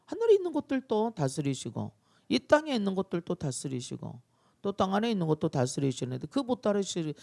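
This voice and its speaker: A male pastor preaching a dawn-prayer sermon, telling the story in an animated way and acting out scenes. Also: a little high, vocal fry.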